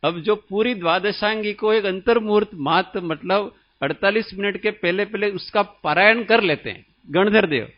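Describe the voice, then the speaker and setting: A man from India giving a slow, explanatory religious discourse as a spiritual teacher, often asking his listeners questions. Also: sits high, dry recording, lo-fi sound.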